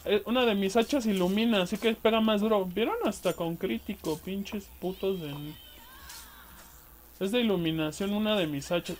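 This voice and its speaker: A man's voice: high voice, a little hiss or hum. A man with a Mexican accent giving casual, crude, slang-heavy commentary while playing a game. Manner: crude slangy banter, swearing at enemies. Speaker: gameplay streamer. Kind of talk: casual let's-play commentary.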